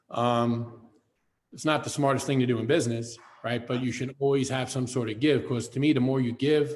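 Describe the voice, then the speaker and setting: Speaking at a fairly quick pace, a man with an American accent keeps a medium pitch and fairly even intonation. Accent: Brooklyn accent, usually held back. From New York, Brooklyn. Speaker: business executive. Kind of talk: podcast interview.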